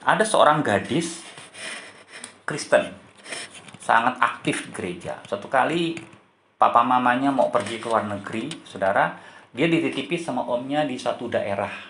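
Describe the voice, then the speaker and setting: A man's voice: mid-range voice, a bit bright, reverberant, a little hiss or hum. A man preaching a sermon, telling a story and addressing the congregation directly again and again. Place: church.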